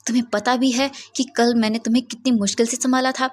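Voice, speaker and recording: A loyal but fed-up young best friend pleads and scolds in a read-aloud story, as a woman narrator puts him on. His tone is exasperated. The voice sits fairly high. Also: fairly even intonation, fast, close to an everyday voice. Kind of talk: storytelling fan-fiction reading.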